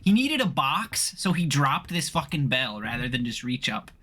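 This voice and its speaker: A man's voice: mid-range voice, sing-song, moderate pace, pushed and bright, breathy edge. A man chatting casually and offhandedly with wry remarks while playing a game. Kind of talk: casual chat while gaming.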